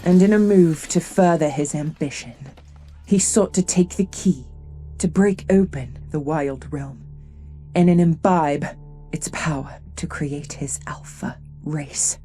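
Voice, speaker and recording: A woman plays a wise, grave tribal leader from a fantasy radio play. The voice is low and mellow, delivered very slowly and dramatically, with faint music underneath. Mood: grave, ominous. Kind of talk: fan fantasy audio drama acting.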